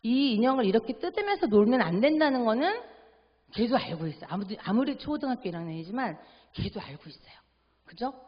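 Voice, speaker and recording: A middle-aged woman giving a church family seminar talk. She acts out family dialogue in a lively way and keeps asking the audience to agree. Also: fairly high pitch, quick pace. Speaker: seminar lecturer. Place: church hall. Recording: echoey hall, dull audio.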